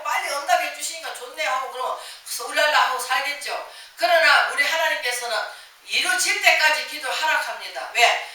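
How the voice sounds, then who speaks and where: An older woman pastor delivers a sermon in a bright, fairly high voice, firing rhetorical questions and answering them herself. She stands away from the mic in a church sanctuary with heavy echo. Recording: echoey room, voice from far off the mic.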